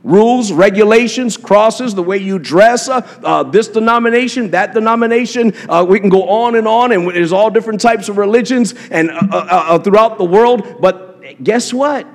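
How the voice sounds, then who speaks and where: A man's voice: high voice, moderate pace, few pauses, big-room sound. A man preaching a sermon in a church, impassioned and repetitive, with frequent fillers and restarts. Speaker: pastor.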